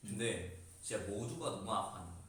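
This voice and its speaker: A young man tells an anecdote in a bright, forward voice, his pitch swinging widely. He sounds a little away from the microphone, in a very echoey space with faint background noise. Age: young adult. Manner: animated, quick to laugh and react. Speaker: idol group member. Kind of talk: casual group chat on a livestream. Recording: roomy, distant mic, faint noise.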